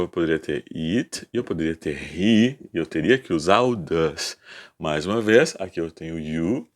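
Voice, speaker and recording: A man with a Brazilian Portuguese accent teaching an online English grammar lesson, patiently explaining and slowly repeating example sentences, often checking in with "ok?". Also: lowish voice.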